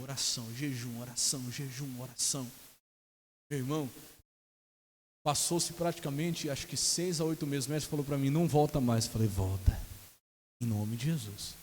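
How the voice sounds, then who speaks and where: A man with a Brazilian Portuguese accent, a pastor preaching a sermon and breaking into loud calls to the congregation. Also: mid-range voice, a little hiss or hum. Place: church hall. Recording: long hall reverb.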